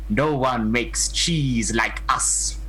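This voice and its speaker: A put-on character voice comes through with clear background noise. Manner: playful.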